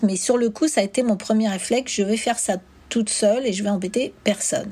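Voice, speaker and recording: Somewhat breathy speech from a woman at a fairly quick pace. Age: 60s. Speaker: retiree and cancer survivor sharing her story. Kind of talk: personal testimony. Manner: smiling, light-hearted.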